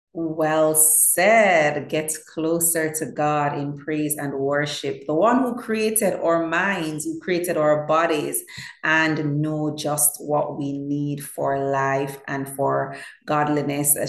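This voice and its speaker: A woman with a very deep, low pitch and ordinary pitch variation speaks at a very slow pace. The recording has audible room echo and noticeable background noise. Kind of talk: radio interview.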